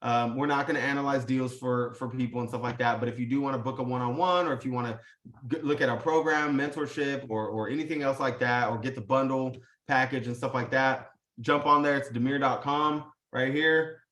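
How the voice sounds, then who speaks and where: A man's voice: medium pitch, fairly even intonation, brisk, a bit bright, reverberant. A man hosting a live video call, talking in a casual, pumped-up motivational way, heavy on slang, swearing and fillers. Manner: hyped, profane, full of slang and fillers. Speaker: host.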